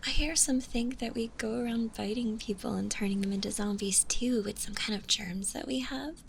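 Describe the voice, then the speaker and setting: A woman playing a shy, gentle, lovestruck zombie girl in an intimate ASMR roleplay, speaking hesitantly and tenderly. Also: fairly high pitch, normal speed, creaky, slight background noise. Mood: wistful, hesitant.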